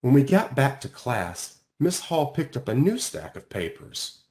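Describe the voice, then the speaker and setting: Animated man reading a children's story. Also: medium pitch, a little slow. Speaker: author reading his own book. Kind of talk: expressive children's story narration.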